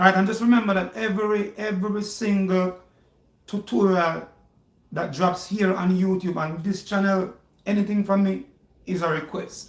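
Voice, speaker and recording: This man's voice is high-pitched, and his intonation stays fairly even. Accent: Jamaican. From Jamaica. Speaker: guitar teacher and YouTuber. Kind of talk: casual livestream chat. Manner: laid-back, relaxed.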